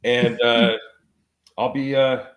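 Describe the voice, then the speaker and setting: A sick man whose voice sounds muffled, as if speaking through a wall, talking about trading in a halting way with many fillers. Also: medium pitch, flat delivery. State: sick, under the weather. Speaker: regular market commentator. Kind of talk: casual trading talk on a live show. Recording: roomy, muffled remote audio.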